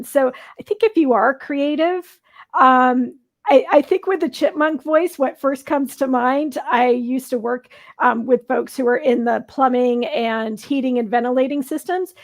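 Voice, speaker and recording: A woman's voice: high-pitched, moderate pace. A woman co-hosting a talk show, speaking in a casual panel discussion.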